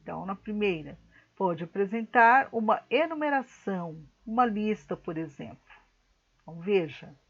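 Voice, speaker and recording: Female teacher, recorded class lesson, slow careful explaining, dull lo-fi sound. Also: medium pitch, expressive.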